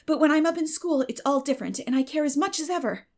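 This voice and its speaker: A woman's voice: high-pitched, animated, fast talker, a little mellow, voice pushed up. A woman voicing a dreamy, dramatic young schoolgirl in an audiobook, effusive and earnest.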